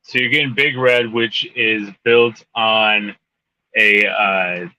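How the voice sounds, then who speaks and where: Low, bright-toned man on dull audio. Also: fairly even intonation, no echo. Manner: rambling, halting explanations. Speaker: podcast co-host. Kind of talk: casual chat.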